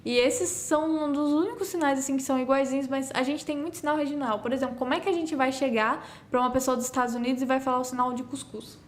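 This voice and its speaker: Woman, teacher guest on a podcast, fairly high voice, chatty and explanatory. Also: fairly even intonation, fast, hardly any pauses. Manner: explains with everyday examples, frequent "né?". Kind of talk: casual podcast conversation.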